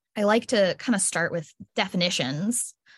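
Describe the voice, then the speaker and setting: An ordinary speaking voice from a woman with an American accent, medium pitch and ordinary pitch variation, dry and close with no echo, over a quiet background. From rural Appalachia, US. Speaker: photographer and artist. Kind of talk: interview conversation.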